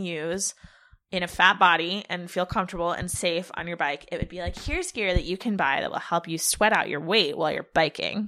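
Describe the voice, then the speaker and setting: A woman with an American accent speaks fairly quickly at a fairly low pitch, her tone bright and sharp. Her intonation is fairly even on a very clean recording with a silent background. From US West (California, Lake Tahoe). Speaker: magazine editor. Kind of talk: interview.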